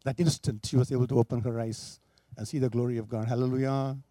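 A man's voice: mid-range voice, level tone, fast, dark tone, dry recording. A man preaching, telling a story with emphatic, dramatic delivery. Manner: emphatic, rising and falling for drama.

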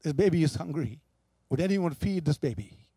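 A man's voice: on the high side, lively intonation, normal speed, dark tone, husky, no echo, clean studio sound. A man voicing a grandmother urgently asking a crowd to feed a hungry baby. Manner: urgent, pleading. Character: grandmother begging a crowd for help.

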